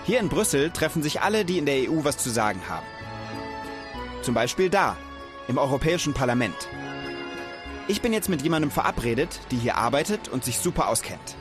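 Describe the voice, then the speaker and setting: A man presenting a children's knowledge show, talking straight to young viewers in an upbeat, animated way. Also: mid-range voice, a little fast, pauses often, over music. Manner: lively, addresses viewers directly as kids.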